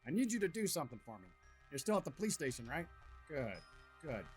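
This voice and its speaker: A man's voice: a little high, sing-song, fast talker. An actor playing a controlling man giving covert orders by phone in an audio drama. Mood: measured, secretive. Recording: quiet clip with faint music.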